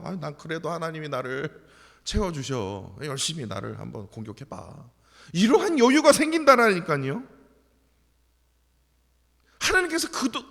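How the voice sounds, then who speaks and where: A man preaches a morning sermon in a church, throwing rhetorical questions at his listeners. His voice sits fairly high and has a gravelly edge. The sanctuary adds a long, ringing reverb. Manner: animated preaching with rhetorical questions and acted-out quotes. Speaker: pastor.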